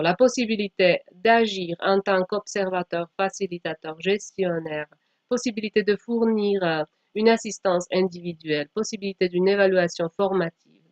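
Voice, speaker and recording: A woman from Slovakia, a non-native speaker whose first language is Slovak, giving an academic presentation in a halting way with frequent self-corrections. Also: lowish voice, a little mellow, dry recording. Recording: dull lo-fi microphone sound.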